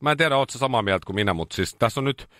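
A man's voice: no room sound, clean studio sound. A man hosting a radio show, telling stories in casual chat. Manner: animated storytelling, jumps into high voices when quoting.

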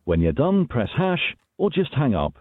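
A man's recorded voicemail announcement, heard over a landline phone line in a flat, recorded-prompt manner. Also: medium pitch, normal speed, no room sound. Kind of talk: automated phone message. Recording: tinny dry phone line.

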